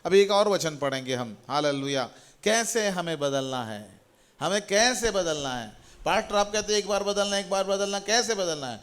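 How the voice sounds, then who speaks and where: Lively intonation marks this middle-aged pastor's high, fairly bright and smooth voice, which moves at a moderate pace. Preaching to the congregation, he repeats phrases, exhorts and calls out hallelujah.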